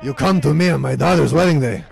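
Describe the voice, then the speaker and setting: A man's voice: a little high, fast talker, creaky, darkish tone, slightly rough, voice pushed down, full character voice. A male commentator doing a comic impression of an aggrieved old Italian mob boss. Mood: mock aggrieved.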